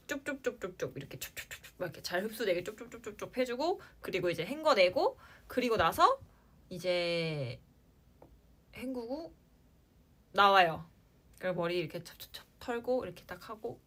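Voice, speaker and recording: A young woman in her twenties hosting a casual livestream, answering fans in a chatty way and trailing off softly at the ends of her lines. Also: mid-range voice. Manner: chatty, playful sound words, trails off at line ends. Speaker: idol livestream host.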